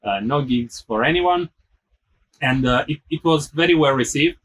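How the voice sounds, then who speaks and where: A man with a husky, slightly breathy voice talks steadily as a band guest. He explains at an even clip, with only light fillers. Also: fairly high pitch, normal speed. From Italy. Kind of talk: casual interview answers.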